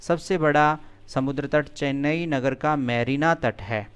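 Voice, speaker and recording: A man's voice: on the high side, fairly bright tone, smooth. A male teacher in a video lesson, carefully pronouncing Sanskrit words and explaining the answers in plain everyday speech. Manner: slow, deliberate pronunciation drill, then plain explanation.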